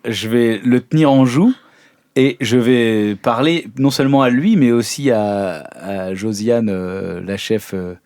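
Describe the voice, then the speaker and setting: A man's voice: mid-range voice, takes it slowly, a little mellow. A man playing a tabletop game, talking casually and a bit hesitantly. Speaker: role-playing game player.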